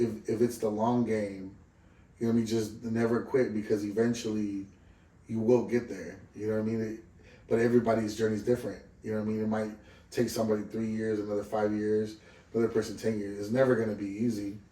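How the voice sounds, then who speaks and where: A man in his thirties from Southern California talks in a low, mellow voice, loose and rambling, with casual swearing. He sounds a little far from the mic, in a roomy, echoing space. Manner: laid-back, rambling, swears freely, lots of "you know what I mean". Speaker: guest musician. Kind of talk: casual interview chat.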